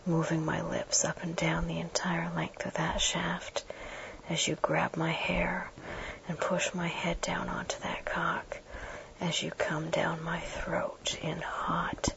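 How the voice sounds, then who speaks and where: A woman performs a whispered role-play, intimate and hushed, as if right in the listener's ear, instructing the listener directly. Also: lowish voice, completely flat delivery, slow pace. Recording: dull muffled audio with clear background noise.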